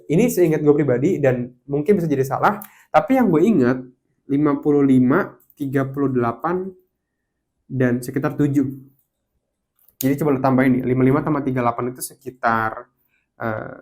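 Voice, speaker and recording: A young man talking casually to camera, giving advice and telling stories, acting out quoted lines with sudden jumps in pitch. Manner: animated storytelling, acts out quoted lines with sharp pitch jumps. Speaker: host.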